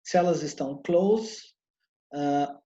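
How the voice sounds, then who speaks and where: A Brazilian-accented man giving an English lesson in a soft, mellow voice. He explains patiently and slows right down to sound out each English word. The audio is somewhat dull and lo-fi. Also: fairly high pitch. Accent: Brazilian Portuguese. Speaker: English teacher.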